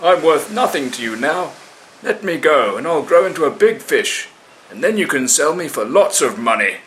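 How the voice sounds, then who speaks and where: A man's voice: a little high, very animated, normal speed, a bit bright, pitched above the performer's own voice, low-quality recording. A man voicing a small fish that begs to be thrown back, inside a storybook tale. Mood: pleading. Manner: begging.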